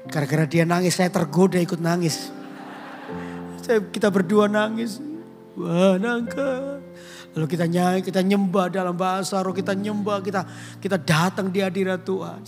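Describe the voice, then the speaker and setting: A male pastor preaching a sermon in a conversational storytelling way, often turning to the congregation directly. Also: high-pitched. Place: church auditorium. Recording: reverberant church hall with instrument music.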